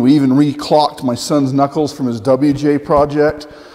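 Over music in the background, a man speaks at a moderate pace with fairly even intonation. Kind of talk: casual workshop vlog talk. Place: workshop.

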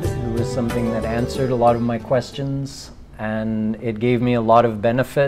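With clear music in the background, the speaker moves at a fairly quick pace with hardly any pauses and fairly even intonation. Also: man. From Canada. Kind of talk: interview answer. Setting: studio. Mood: calm, warm. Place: studio.

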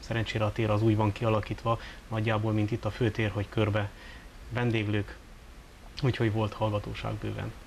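A man at fairly low pitch, monotone and flat, at a fairly quick pace with long, frequent pauses and light background noise. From Transylvania, Romania (Hungarian minority). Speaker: choir conductor; guest. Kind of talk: studio interview. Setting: studio. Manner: halting, many fillers. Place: studio. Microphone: lapel.

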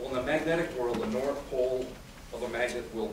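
Noticeable background noise and audible room echo accompany the clip. A man talks at a fairly quick pace with ordinary pitch variation. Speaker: professor giving demonstration. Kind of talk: lecture. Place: hall. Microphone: camera far.

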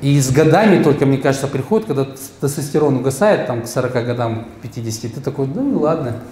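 The man's voice sits fairly high and moves at a fairly quick pace. Audible room echo surrounds it. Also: ordinary pitch variation. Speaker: psychology coach leading a training. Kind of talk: live seminar with audience. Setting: stage with audience. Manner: informal, conversational. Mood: relaxed, reflective, wry. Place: hall. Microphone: headset.

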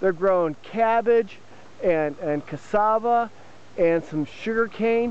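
A high-pitched man with lively intonation at a fairly slow pace, in a dry sound with no echo. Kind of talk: casual vlog chat. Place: farm. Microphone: phone near.

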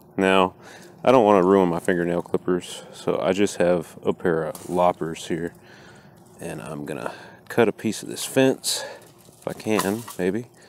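A man speaks at a fairly slow pace in a very deep, low voice with ordinary pitch variation, long and frequent pauses, and big swings in loudness, recorded dry with no echo over light background noise. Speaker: former prison inmate demonstrating weapons. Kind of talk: tutorial. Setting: at home, quarantined. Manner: casual. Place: garden. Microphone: phone near.

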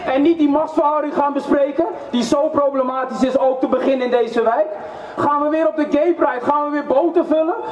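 Delivered at a fairly quick pace with fairly even intonation, the speech has light background noise and audible room echo. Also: man. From Amsterdam, Netherlands. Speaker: youth worker and protest speaker. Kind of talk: protest speech to a crowd. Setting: outdoors at a demonstration with crowd. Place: street. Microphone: podium.

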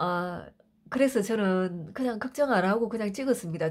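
The background is quiet as this woman talks. Her intonation is lively. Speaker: writing coach and author; vlogger sharing her experience. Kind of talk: personal monologue to camera. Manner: unscripted with many fillers. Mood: earnest, soft, emotional. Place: home room. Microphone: phone near.

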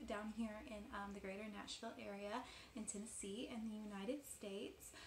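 Light background noise and audible room echo accompany a woman speaking. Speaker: craft vlogger. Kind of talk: casual vlog chat. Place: home room. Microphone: phone near.

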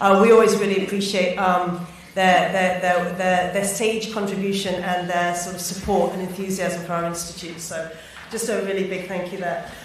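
In a room with strong echo and light background noise, a woman speaks at a moderate pace with monotone, flat intonation. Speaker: event host. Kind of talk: event introduction speech. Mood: warm, friendly. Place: hall. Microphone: podium.

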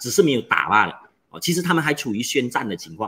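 There's vocal fry in this man's bright, sharp-toned voice. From Malaysia. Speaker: lawyer and political columnist; political commentator guest. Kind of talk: political commentary. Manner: frequent fillers and hesitations. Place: home room.

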